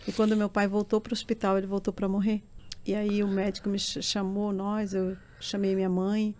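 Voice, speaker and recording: A woman tells a personal faith testimony in a warm, mellow voice. She speaks earnestly and with passion, pressing each point home to her interviewer. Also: mid-range voice. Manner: earnest, impassioned storytelling. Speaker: guest giving a testimony.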